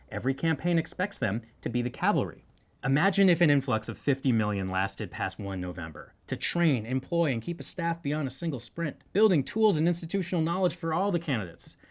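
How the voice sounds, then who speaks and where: Man hosting wry political comedy news. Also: on the high side. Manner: wry, tongue-in-cheek delivery. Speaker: host of a satirical political news show. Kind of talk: scripted comedic news commentary.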